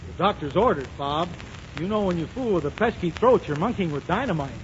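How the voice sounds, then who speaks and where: High-voiced fussy man, old radio. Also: expressive, a little fast, dull audio. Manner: fussy, prim and politely dim. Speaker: comic regular. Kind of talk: 1930s radio comedy. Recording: scratchy 1930s radio broadcast with hiss.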